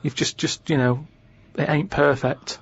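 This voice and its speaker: A man's voice: on the high side, steady tone, unhurried, breathy edge, dry recording. Rambling Mancunian man, dull radio sound. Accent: English, Manchester. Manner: rambling, hesitant, repeats himself. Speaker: radio quiz setter. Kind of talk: casual radio banter. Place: radio studio.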